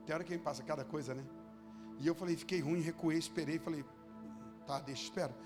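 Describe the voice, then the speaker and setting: Impassioned pastor, high voice. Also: male voice, fairly even intonation, fast talker. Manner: impassioned, acts out quoted voices. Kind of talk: sermon with storytelling. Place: church hall. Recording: long hall reverb with faint music.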